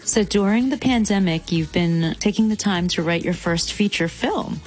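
A woman's voice: mid-range voice, normal speed, darkish tone, faint music behind. A woman hosting a style interview show, upbeat, reading scripted intros and questions. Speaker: show host.

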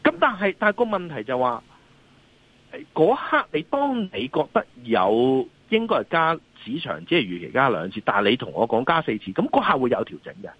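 A man with a Hong Kong accent, a financial analyst and columnist appearing as an interview guest, offers off-the-cuff market commentary. His mid-range voice is slightly rough and a little fast, with big pitch swings, and he speaks emphatically, often checking for agreement with rhetorical questions. The audio comes through a dull, lo-fi remote call line.

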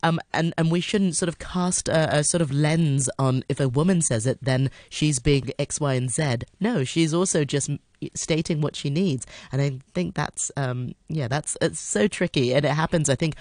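A man's voice: on the high side, normal speed, darkish tone, dry recording, clean studio sound. A man interviewing a guest, thoughtful and hesitant, often restarting and saying "sort of". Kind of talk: interview questions and comments.

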